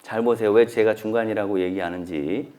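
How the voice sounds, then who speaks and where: Animated storytelling male professor. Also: fairly low pitch, fairly quick. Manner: animated storytelling, acting out quoted lines; conversational, asks listeners to look closely. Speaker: professor giving a public lecture. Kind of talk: humanities lecture.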